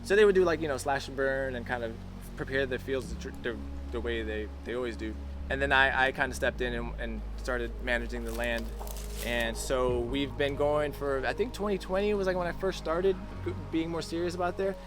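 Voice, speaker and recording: A man's voice: mid-range voice, fairly even intonation, brisk, noisy background. A man who farms a food forest, talking in a loose, chatty way outdoors on a farm, with many restarts. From United States. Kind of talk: casual outdoor interview. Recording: background music under the voice.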